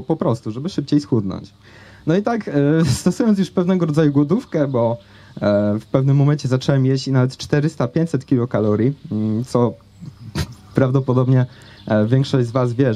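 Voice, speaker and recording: Mellow-voiced young man telling his story. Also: medium pitch, expressive, normal speed. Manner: conversational with many fillers and hesitations. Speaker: speaker giving a talk. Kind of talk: personal story told to an audience. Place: outdoor festival stage. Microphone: handheld microphone.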